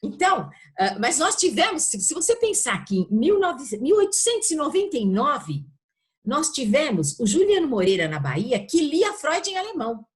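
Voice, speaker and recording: A woman's voice: high-pitched, sing-song, normal speed. An older woman with a Brazilian Portuguese accent, a professor explaining informally in an interview, searching for words and often adding short check-in tags. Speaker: university literature professor being interviewed.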